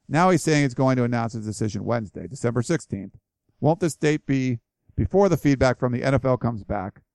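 A man's voice: medium pitch, darkish tone, dry recording. A man hosting a solo sports podcast, answering listener questions in a casual, rambling way with many fillers and restarts, his voice tiring. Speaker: podcast host.

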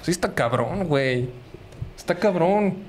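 A man's voice: a little high, animated, unhurried, a little hiss or hum. Insistent, argumentative Mexican man. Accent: Mexican Spanish. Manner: insistent, argumentative, swears for emphasis. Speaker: podcast co-host. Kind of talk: casual banter among friends.

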